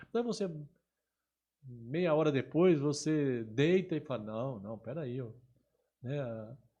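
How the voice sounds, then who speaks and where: A man speaks very slowly, with long, frequent pauses and lively intonation. His voice is fairly high in pitch, with a dark, mellow tone. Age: 60s. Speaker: retired pastor. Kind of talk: podcast interview.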